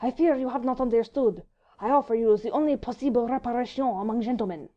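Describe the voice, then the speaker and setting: A woman's voice: on the high side, fast, dull audio, voice pushed up, natural voice. A woman voicing an earnest, hot-tempered young French nobleman speaking formal broken English with a French accent in a story reading. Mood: earnest, abashed.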